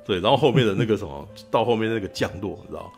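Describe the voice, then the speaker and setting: A man with a Taiwanese Mandarin accent talks quickly in a low-pitched voice while hosting a casual podcast. He retells a film scene in an animated way and keeps tossing in "you know?". Faint music plays underneath. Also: gravelly. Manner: animated retelling, frequent "you know?" tag, laughs often. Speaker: podcast host. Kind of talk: casual film-review chat.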